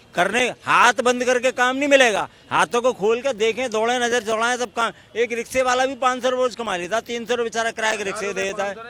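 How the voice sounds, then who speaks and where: Against noticeable background noise, a man speaks in a raised, projected voice at an extremely high pitch and a moderate pace. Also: fairly even intonation. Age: 60s. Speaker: lawyer, street interviewee. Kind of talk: street interview, political opinion.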